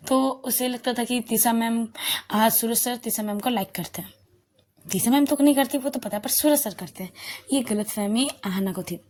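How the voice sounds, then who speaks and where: A woman's voice: fairly high pitch, a little mellow. A young woman narrating a love story in a casual, chatty way, often correcting herself as she goes.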